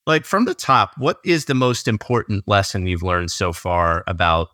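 Bright, dry-sounding eager male host. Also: deep voice, very animated, moderate pace, dry recording. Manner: eager, long wordy questions. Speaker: podcast host. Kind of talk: hosting an interview.

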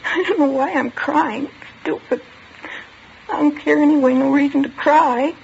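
An actress playing a troubled, bitter teenage girl in a flat, withdrawn way, in the style of 1950s radio drama. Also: mid-range voice, fairly quick, gravelly, slight background noise. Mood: tearful. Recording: lo-fi vintage radio broadcast.

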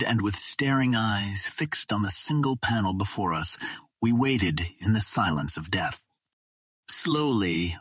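A man narrates an adventure tale in a dramatic, first-person storytelling style. His voice is low and husky, with a rough grain to it. The sound is very dry, with no room around it. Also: fairly bright tone, dry recording. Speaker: audiobook narrator.

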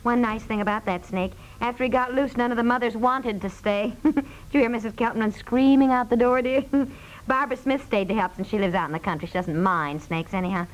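A woman playing a fussy, easily flustered suburban American mother in an old-time radio comedy, exclaiming and quick to scold. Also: a little high, lightly acted, low-quality recording. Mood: cheerful, soothing.

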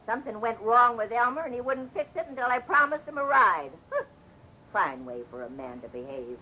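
A sassy, unflappable old grandmother, with a high voice that swings widely. She scolds and teases in folksy old slang, in radio serial style, on a muffled old recording. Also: big pitch swings, moderate pace, slightly rough. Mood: indignant, chatty. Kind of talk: 1950s radio serial acting.

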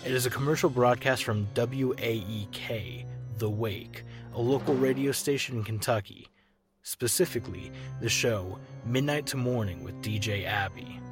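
A man with a medium-pitched voice hosts and narrates a scripted podcast. The delivery is measured and clearly enunciated, with music clearly audible underneath.

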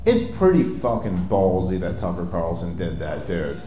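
Mellow man swearing casually, echoey live venue. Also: deep voice, wildly swooping pitch, normal speed. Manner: profane, emphatic, informal. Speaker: podcast host. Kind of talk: casual political comedy talk on stage. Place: live show venue on stage.

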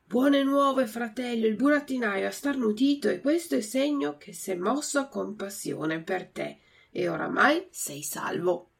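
A woman's voice: fairly high pitch, lively intonation, unhurried, creaky, breathy edge, voice pushed up, exaggerated voice. A woman doing a cheerful whispering puppet. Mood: relieved. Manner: hushed, eager whisper. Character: Harlequin, cheerful male puppet, whispering good news.

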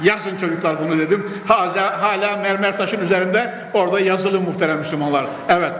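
An older man preaching fervently into a pulpit microphone, repeating phrases and rising to shouts. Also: sits high, brisk, a little hiss or hum. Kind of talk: sermon. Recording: echoey hall with loud ambience.

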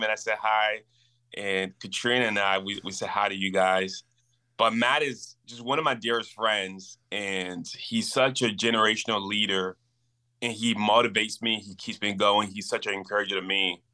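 Young guy from liberia, bright forceful voice, earnest and animated as he tells his story on a podcast. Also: fairly low pitch, clean tone. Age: 20s. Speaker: campus minister, guest. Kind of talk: casual interview storytelling.

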